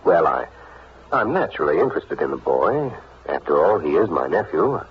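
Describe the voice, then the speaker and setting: An actor playing an earnest, troubled gentleman, a fond fiancé and uncle, in a radio soap, courteous and hesitant. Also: very deep voice, sing-song, moderate pace. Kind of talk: 1940s radio soap acting. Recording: muffled, noisy old radio recording.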